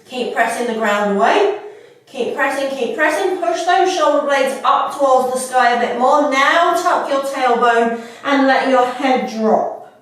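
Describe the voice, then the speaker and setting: A woman with a slightly stuffy cold, leading a workout with calm, unhurried cueing. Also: high voice. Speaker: fitness instructor. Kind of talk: guided workout instruction. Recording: echoey room, mic at a distance.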